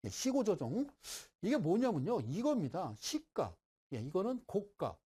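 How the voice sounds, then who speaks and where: A man's voice: high voice, huge pitch swings, a little slow, dark tone, breathy edge. A middle-aged man giving a broadcast stock-investing lecture, who keeps asking listeners "right?" and teases them.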